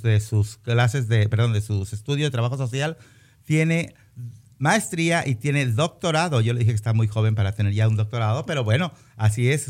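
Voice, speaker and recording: A man's voice: mid-range voice, a little mellow. A man hosting a casual interview, chatty and joking, often restarting his phrases. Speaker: host.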